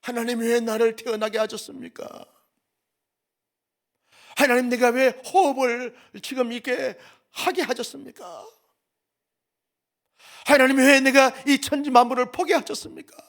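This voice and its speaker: A man voicing Job, a suffering man pleading loudly with God. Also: extremely high pitch, flat delivery, normal speed, vocal fry, heavily acted. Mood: anguished.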